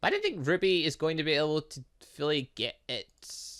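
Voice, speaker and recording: A man doing casual, rambling and excitable commentary as he plays a story game and reads its text aloud. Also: fairly high pitch, brisk. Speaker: gaming channel host.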